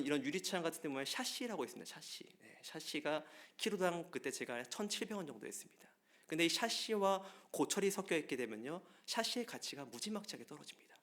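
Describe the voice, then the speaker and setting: Lively, animated pastor preaching. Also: male voice, a little high. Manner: lively storytelling, often addresses the congregation directly. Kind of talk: Wednesday service sermon. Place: church sanctuary.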